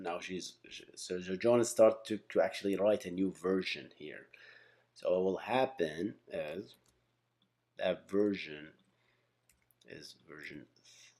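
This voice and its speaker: A man's voice: low voice, dark tone. A man giving an informal tutorial, thinking aloud step by step and often checking in with short tags. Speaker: software engineering instructor.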